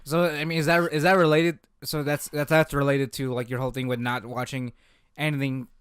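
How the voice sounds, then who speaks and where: A man's voice: mid-range voice, level tone, fairly quick, a bit bright, clean tone. A young man co-hosting a podcast, chatting casually, teasing and laughing a lot. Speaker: podcast co-host. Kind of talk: casual chat.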